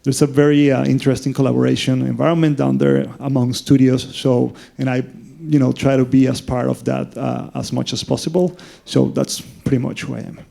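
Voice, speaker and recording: Panelist, Venezuelan-accented man, gravelly voice, halting with lots of uhs. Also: mid-range voice, level tone, mellow. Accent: Venezuelan Spanish. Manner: hesitant, many fillers and repeated words. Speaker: panelist, game studio founder. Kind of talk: conference panel talk.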